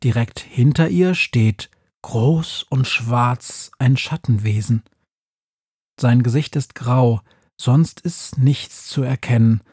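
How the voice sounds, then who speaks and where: Male audiobook narrator, husky, dry close sound, lively children's storytelling. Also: medium pitch, slow, dry recording.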